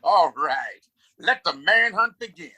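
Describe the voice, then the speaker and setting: Pompous, ambitious frontier boss, male actor, high and bright, commanding radio-play villain. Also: animated, unhurried, slightly rough, heavily acted. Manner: grandiose, commanding, wordy. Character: pompous, scheming, ambitious Old West town boss. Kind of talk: audio play acting.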